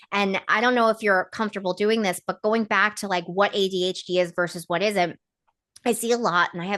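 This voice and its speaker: A woman with a bright, sharp tone and fairly even intonation, quiet background. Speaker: podcast host and clinician. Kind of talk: podcast interview. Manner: talkative.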